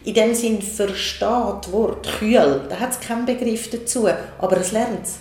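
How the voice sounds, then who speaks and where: A woman with a Swiss German accent calmly explaining how to soothe and talk to small children in a casual conversation. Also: a little high, moderate pace, echoey room. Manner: calm, explanatory, acts out soothing words to a baby.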